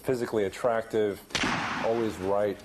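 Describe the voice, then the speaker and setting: A man's voice: lowish voice, fairly even intonation, moderate pace, noisy background. A man speaking in an earnest, explanatory way in a documentary interview. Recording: music under the voice.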